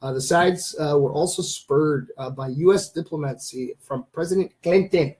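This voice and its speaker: Casual male stream host in his thirties, slightly higher voice, halting news reads full of fillers. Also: a little mellow. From Canada. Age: 30s. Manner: reads news items aloud with filler ums and uhs. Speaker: livestream host. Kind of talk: casual live-stream chat.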